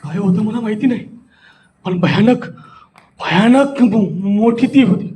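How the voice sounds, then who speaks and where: Man as a spooked, high-voiced storyteller. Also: completely flat delivery, normal speed, a little mellow, slight background noise. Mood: fearful, suspenseful. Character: spooked storyteller recalling something terrifying in an old house.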